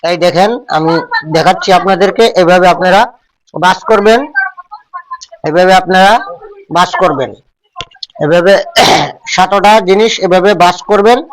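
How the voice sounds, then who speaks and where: A man's voice: high voice, unhurried, pauses often, distant mic, low-quality recording. A man, a folk healer, giving a step-by-step ritual demonstration and repeating each instruction over and over.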